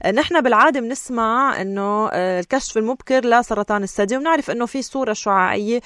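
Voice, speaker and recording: A woman's voice: fairly high pitch, rapid-fire, fairly bright tone, dry recording, studio quality. A woman with a Lebanese Levantine Arabic accent hosting an interview, mixing in some English words. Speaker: host, interviewer. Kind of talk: broadcast interview questioning.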